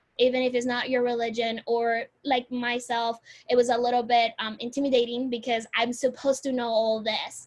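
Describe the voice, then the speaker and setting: A woman with a Spanish accent speaks at a moderate pace in a high, flat monotone, recorded very cleanly against a silent background. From Puerto Rico. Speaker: university student. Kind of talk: presentation to new students. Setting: recorded virtual orientation. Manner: casual with many fillers.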